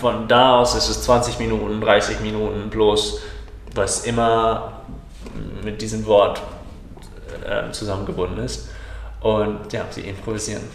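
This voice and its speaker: A man's fairly slow speech with long, frequent pauses, audible room echo, and noticeable background noise. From South Africa. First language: English (speaking German). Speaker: actor and improv theatre trainer. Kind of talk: interview. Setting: studio, livestreamed on Facebook. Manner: halting, searching for German words.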